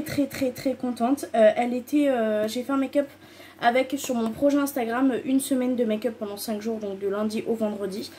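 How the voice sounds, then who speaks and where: A woman talks straight to her viewers in a loose, rambling beauty-vlog manner. Her voice sits a little high but has a soft, mellow tone. She piles up repeated intensifiers with easy, chatty enthusiasm. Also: a little hiss or hum. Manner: loose and rambling, many fillers. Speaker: beauty vlogger. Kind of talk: casual chatty haul video.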